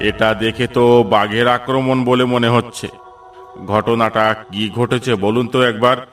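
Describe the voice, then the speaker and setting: A man voicing a gruff, commanding middle-aged police officer in a cartoon. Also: medium pitch, flat delivery, moderate pace, fairly bright tone, far from the mic, faint music behind, close to an everyday voice. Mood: stern. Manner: commanding, dismissive.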